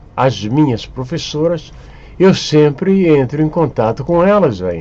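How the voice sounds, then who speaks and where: Very slowly, a man speaks at a fairly high pitch. His pitch swings very widely. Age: 60s. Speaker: pastor. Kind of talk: opinion commentary monologue. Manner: emphatic, rhetorical.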